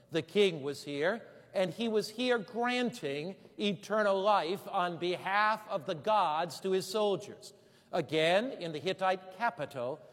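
High-voiced man preaching with reverb. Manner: rhetorical questions, slow emphatic phrasing. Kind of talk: sermon with travel slides.

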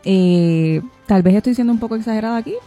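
A female radio host speaks in a mellow, warm tone, chatty and reflective. Soft music runs faintly behind her. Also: medium pitch, quick pace. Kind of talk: talk radio hosting.

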